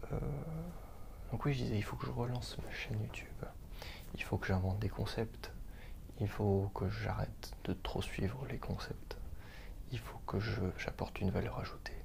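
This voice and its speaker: A man whispers at a fairly slow pace, with long, frequent pauses between his words. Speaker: ASMR creator. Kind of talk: casual talk to camera. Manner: soft-spoken.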